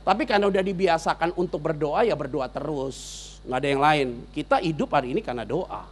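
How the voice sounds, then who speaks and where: A man with a high-pitched voice preaches a sermon as if chatting with friends, full of street slang. He tells stories by acting out every voice in the dialogue himself. His delivery drops to quiet asides, then jumps to loud, excited bursts. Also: brisk, slight background noise. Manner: acts out both sides of dialogues. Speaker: pastor.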